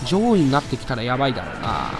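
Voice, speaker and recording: A man giving excitable live gameplay commentary, loudly taunting and grumbling at the monster he is fighting. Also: medium pitch, fast. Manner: excitable, trash-talks the monster with rough taunts. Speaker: let's play commentator. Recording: loud game music behind voice. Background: game music.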